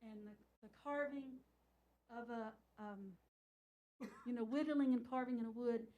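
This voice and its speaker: A woman's voice: on the high side, fairly even intonation, muffled recording. An older woman author giving an earnest, encouraging talk to an audience at a library event. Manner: earnest, encouraging, speaks slowly with emphasis. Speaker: children's book author.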